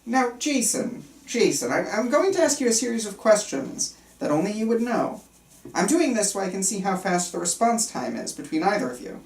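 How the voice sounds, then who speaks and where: Woman acting as concerned male psychiatrist, lively intonation, clinical and insistent, table read, distant roomy recording. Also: mid-range voice, normal speed. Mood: calm, clinical. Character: earnest male psychiatrist doctor, concerned and controlling. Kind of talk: table reading of a film script. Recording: roomy, distant mic, faint room noise.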